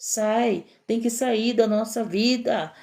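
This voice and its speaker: A woman's voice: fairly high pitch, slow, creaky, a little mellow. A middle-aged woman missionary, preaching a fervent sermon and repeating prayer refrains.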